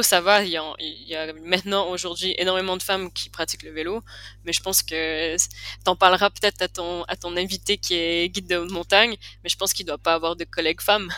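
A woman from Quebec with a softened Québécois accent, chatting as a podcast guest in a thoughtful way, often restarting her sentences as she searches for words. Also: on the low side, dry recording. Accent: Québécois, partly softened. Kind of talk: casual podcast chat.

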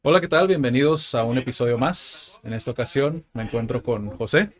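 Un presentador de podcast que conduce una entrevista relajada. Su voz tiene un tono medio. Pregunta con soltura, con un trato cercano y muletillas como "¿no?". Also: male voice, mid-range voice, animated, fairly quick, soft background music. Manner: friendly, loose, frequent "¿no?" tags. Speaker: podcast host, interviewer. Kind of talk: casual interview. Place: indoor arcade.

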